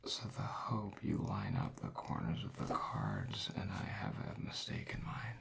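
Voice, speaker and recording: A man doing a soft-spoken ASMR roleplay as a casino dealer, rambling in a hushed, unhurried way that drifts into a whisper. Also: very deep voice, huge pitch swings, vocal fry.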